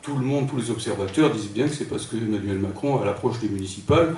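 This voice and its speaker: There's lively intonation in this man's voice, heard through noticeable background noise and audible room echo. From northern France (Pas-de-Calais). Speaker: political speaker. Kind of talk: lecture. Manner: hesitant, many fillers.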